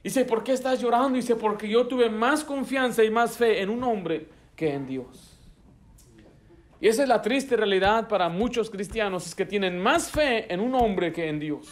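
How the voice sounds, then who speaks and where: A man's voice: sits high, moderate pace. A man preaching a Baptist sermon as pastor, emphatic, repeating key lines and acting out the people in his stories. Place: church sanctuary.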